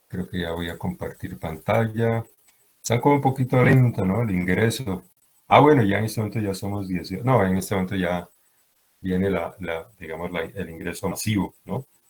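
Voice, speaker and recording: Over music in the background, a man with a fairly low voice talks at a moderate pace with ordinary pitch variation. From Colombia. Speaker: university tutor. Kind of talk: online class. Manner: halting, many repetitions.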